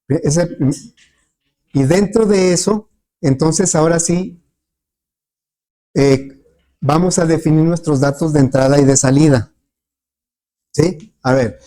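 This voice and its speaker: Teaching a class, a man speaks in a warm voice pitched on the high side. He checks in with students patiently through frequent questions, and his lecture is patient in tone and marked by fillers and restarts.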